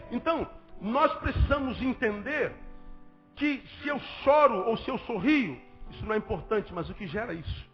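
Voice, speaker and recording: A Brazilian man preaching a sermon as pastor, emphatic and repetitive, firing rhetorical questions at the congregation. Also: extremely high pitch. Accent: Brazilian Portuguese. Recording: dull lo-fi audio with faint music.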